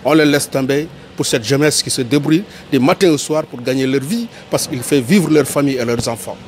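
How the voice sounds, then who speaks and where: A man's voice: mid-range voice, a little fast, darkish tone, a little hiss or hum. A man from Senegal with a Senegalese French accent, speaking earnestly in a street interview and pleading his case. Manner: earnest, pleading, repeats points. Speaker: tourism worker interviewed.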